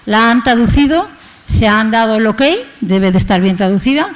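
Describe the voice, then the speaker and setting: A woman's voice: on the high side, expressive, moderate pace. A woman hosting a conference opening, introducing the guest speaker in a chatty, rambling way. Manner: chatty, rambling, tag questions. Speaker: association host introducing the speaker. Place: conference hall.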